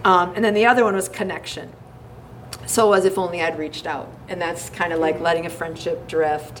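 Over noticeable background noise and audible room echo, a woman with a fairly low pitch talks at a fairly quick pace in fairly even intonation. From US Midwest, Milwaukee area, Wisconsin. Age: 50s. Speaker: yoga studio owner and teacher. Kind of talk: casual interview conversation. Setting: yoga studio.

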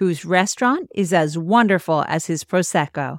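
The woman's pitch swings very widely, and the sound is dry and close with no echo. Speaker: podcast host. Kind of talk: interview and scripted narration.

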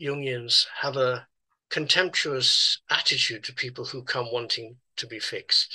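Speaking at a fairly slow pace, a man has a bright, sharp tone, a fairly high pitch, and ordinary pitch variation. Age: 70s. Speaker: Jungian analyst and writer. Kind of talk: interview conversation.

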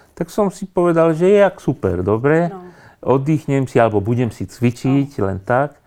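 A man with a fairly high pitch and a dark, mellow tone speaks at a moderate pace, his pitch swinging very widely against a quiet background. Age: 50s. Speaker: musician and cimbalom player. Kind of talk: interview.

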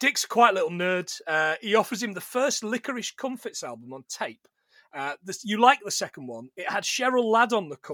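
A man with an East Midlands accent speaks at a moderate pace in a high, bright, sharp, raised and projected voice, with very wide pitch swings and big swings in loudness, on a very clean, dry, close recording with no echo and a silent background. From England, Nottingham. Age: 40s. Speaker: podcast host. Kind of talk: casual chat.

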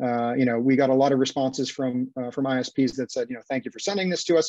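Speaking with an American accent, a man has a dark, mellow tone at medium pitch. His pace is fairly quick. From US, Boston area. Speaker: threat intelligence director. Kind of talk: interview. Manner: repetitive, hesitant starts.

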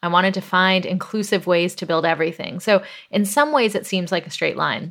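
An ordinary speaking voice, heard with an American accent at a moderate pace. The recording is very clean, with a silent background. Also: woman. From US South, Atlanta, Georgia. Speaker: nonprofit CEO and activist. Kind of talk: interview conversation.

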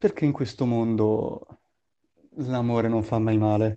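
A man is speaking. His pace is very slow. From Tuscany, Italy. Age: 30s. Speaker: volunteer and education student. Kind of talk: radio interview monologue.

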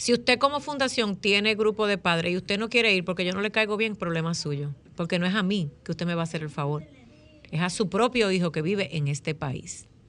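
Animated in tone, a woman talks at a fairly quick pace and medium pitch with lively intonation. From raised in the United States. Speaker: radio host. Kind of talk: live radio talk show. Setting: radio studio.

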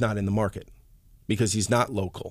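A man speaks with an American accent at a moderate speed. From US Northeast, Albany NY capital region. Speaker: radio host. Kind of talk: casual chat. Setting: studio.

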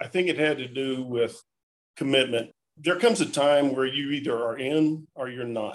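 The voice belongs to a man with ordinary pitch variation. He goes at a moderate pace. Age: 60s. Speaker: construction business owner. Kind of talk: interview.

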